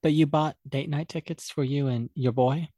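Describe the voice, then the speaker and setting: A man's voice: fairly high pitch, fairly even intonation, normal speed, warm tone, no echo, studio quality. A man co-hosting a podcast over a video call, chatting casually and teasing his co-host, speaking English as a second language. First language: not English. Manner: teasing, playful, laughs often. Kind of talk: casual chat.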